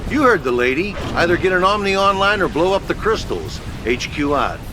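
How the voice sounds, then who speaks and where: A brash HQ radio guy, quick and gritty, lively voice, music under it. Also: sits high, noisy background. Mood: brisk. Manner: brisk, swearing radio chatter. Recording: game score under the voice.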